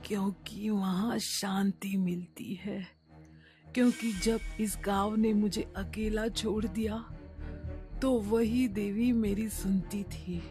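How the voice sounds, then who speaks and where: A woman playing a slow-spoken, dignified old village midwife. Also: medium pitch, close to an everyday voice. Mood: solemn defiant. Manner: pleading yet firm, solemn. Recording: loud music behind the voice.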